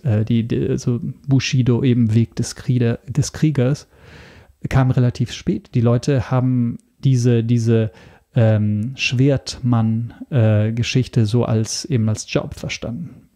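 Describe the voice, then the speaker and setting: A man with a soft-edged, dark voice and plenty of fry explains things in a casual interview. His pitch sits in the middle range. He talks haltingly, often searching for the next word. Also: steady tone. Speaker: podcast guest.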